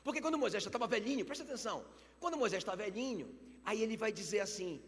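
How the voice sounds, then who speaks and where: Male pastor, high-ish lively voice, long hall reverb. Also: fast. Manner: animated preaching, rhetorical questions to the congregation. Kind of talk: sermon. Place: church hall.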